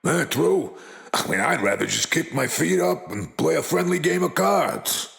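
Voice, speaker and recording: An actor playing an easygoing, world-weary bruiser in a video game, with a gravelly voice and a laid-back, wry manner. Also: male voice, a little high, expressive, measured pace, a bit bright, heavily acted. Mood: wry, relaxed.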